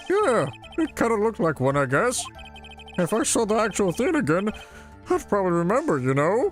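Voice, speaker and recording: With clear music in the background, a man in a put-on character voice speaks at a high pitch and a fairly quick pace, with very wide pitch swings, very even loudness, and long, frequent pauses. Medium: game stream. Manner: hesitant, unsure.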